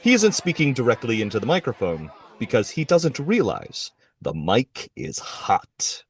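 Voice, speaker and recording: A man's voice: mid-range voice, wildly swooping pitch, a little slow, husky, dry recording, studio quality. A man reading stage directions as scripted narration for an audio play.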